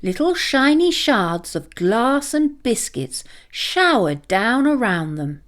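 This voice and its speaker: A woman reading a scripted children's story aloud as a dramatic, expressive storyteller. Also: a little high, takes it slowly.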